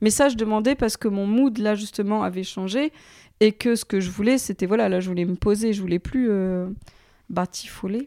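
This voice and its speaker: In a very clean recording with a silent background, a woman speaks at a moderate pace in a dark, mellow tone, the sound dry and close with no echo. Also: medium pitch for a woman, ordinary pitch variation. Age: 30s. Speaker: podcast guest, dating app user. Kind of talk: casual chat. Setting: recording while on a trip to Réunion.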